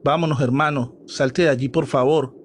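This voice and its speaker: A man's voice: medium pitch, steady tone, moderate pace, a little hiss or hum, close to an everyday voice. A man voicing a frightened young girl pleading nervously with her brother.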